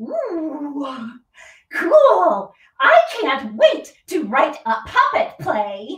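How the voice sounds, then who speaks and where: A cartoonish character voice speaks in a high pitch at a very slow pace. There is a slight echo. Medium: puppet. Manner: upbeat.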